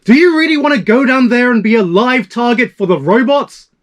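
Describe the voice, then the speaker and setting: A man voicing an irritated, scheming thief for a video game, with a gruff, scornful delivery. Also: extremely high pitch, a little fast, recorded from a distance, voice pushed up. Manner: exasperated, sighing, scornful. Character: irritated, scheming male thief eyeing an opportunity.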